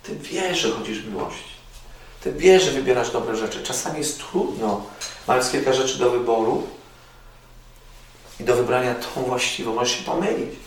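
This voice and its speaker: A man preaching an earnest sermon, repeating his calls, rising loud and dropping to near whispers. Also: mid-range voice, moderate pace. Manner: earnest, repetitive exhortation with sudden loud rises and soft drops. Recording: very echoey, distant mic with faint noise.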